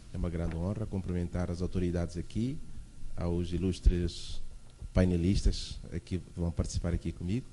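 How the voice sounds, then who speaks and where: With a Mozambican accent, a man speaks at a moderate pace in a very deep, low pitch, his tone dark and mellow and his intonation fairly even. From Mozambique. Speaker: panelist speaker. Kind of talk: conference presentation.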